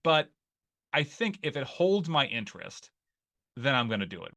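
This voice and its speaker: A man's voice: medium pitch, sing-song, normal speed, a bit bright. A man in his forties from Northeast Ohio with an Ohio accent, talking as a guest in a casual interview and rambling with many fillers and restarts. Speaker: guest, newsletter writer.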